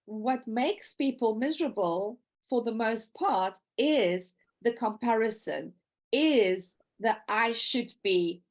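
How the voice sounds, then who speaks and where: A woman hosting a podcast, speaking in a deliberate, reflective way. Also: fairly high pitch. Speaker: podcast host. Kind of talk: reflective interview chat.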